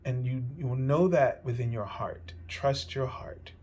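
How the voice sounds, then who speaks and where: Man giving a gentle, rambling tarot reading. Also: medium pitch, unhurried. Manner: meandering, gentle, many fillers and restarts. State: slightly hoarse. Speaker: tarot reader. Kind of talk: weekly tarot card reading.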